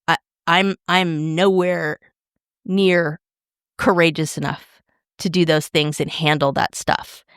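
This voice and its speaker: Woman in her fifties, podcast co-host, animated storyteller, lower pitch, dry sound. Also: slow, clean tone, dry recording. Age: 50s. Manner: animated, acts out quotes, laughs while telling stories. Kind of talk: casual chat, storytelling.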